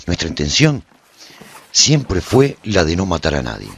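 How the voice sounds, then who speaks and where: A man's voice: low-pitched, wildly swooping pitch, measured pace, gravelly, slightly rough, heavily acted. An actor playing a haunted warrior who narrates his post-apocalyptic story in a solemn, theatrical, intense way for a radio drama. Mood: solemn, brooding. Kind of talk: dramatic first-person scripted narration.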